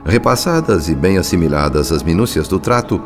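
Um ator brasileiro interpretando um espírito narrador de radionovela, observador, solene e literário. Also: male voice, low voice, lively intonation, music in the background. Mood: grave, observant. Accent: Brazilian. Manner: measured, literary, solemn. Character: grave, thoughtful male spirit narrator observing human families. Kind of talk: scripted radio drama narration.

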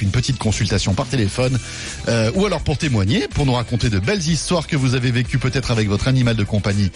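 A man hosting a live morning radio show, joking and bantering with his guest. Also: medium pitch. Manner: jovial, teasing banter. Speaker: radio host. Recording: radio broadcast with faint music.

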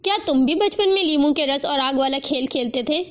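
A woman's voice: sits high, dull audio, lightly acted. A woman voicing a brusque, impatient young woman who speaks curtly in a storybook reading. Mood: curt, annoyed. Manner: curt, clipped.

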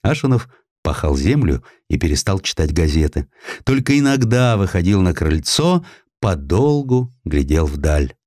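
A man reading historical prose as an audiobook narrator, in an expressive, dramatic storytelling manner. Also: low-pitched, a little slow, no echo.

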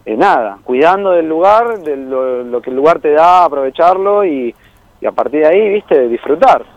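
A man's voice: a little high, normal speed, no room sound. Rambling young Argentine man, dull dry sound. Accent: Argentine Spanish. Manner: relaxed and rambling, many fillers, laughs easily. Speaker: guest, tour guide and traveler. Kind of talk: casual radio interview.

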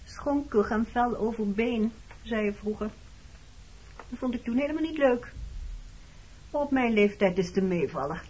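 A woman's voice: fairly high pitch, lively intonation, normal speed, long pauses, a little mellow. An actress playing a guarded, pointed woman in her early thirties in a Dutch radio play. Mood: wry, reproachful. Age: 30s. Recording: dull lo-fi radio recording, clear noise.

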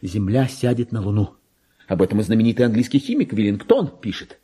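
An actor playing a deluded clerk who believes he is a king, in a pompous, erratic, theatrical radio monologue that swings from hushed to shrill. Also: lively intonation, brisk, breathy edge. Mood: anxious, fretful. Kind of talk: dramatic literary monologue, Russian radio play.

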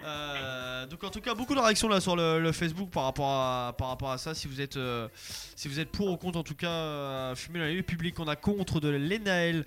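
A man's voice: on the high side, fairly quick, hardly any pauses. A man hosting a casual radio call-in show, joking, teasing and rambling between listener messages.

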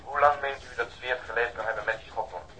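An actor playing a probing police investigator who questions in a terse but polite way, in radio drama dialogue. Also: male voice, medium pitch, steady tone, quick pace, sharp tone, slight background noise, close to an everyday voice, poor audio. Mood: sceptical, probing.

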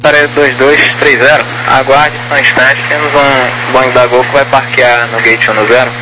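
A man's voice: medium pitch, little pitch movement, normal speed. A man working as an airport ground controller, giving procedural instructions over the radio. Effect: radio transmission. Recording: noisy aviation radio channel.

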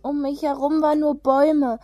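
A man's voice: very high-pitched, flat delivery, normal speed, warm tone. An actor voicing a frightened young boy in a German radio drama, recounting a witch encounter. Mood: fearful recounting. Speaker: child character Jeremy.

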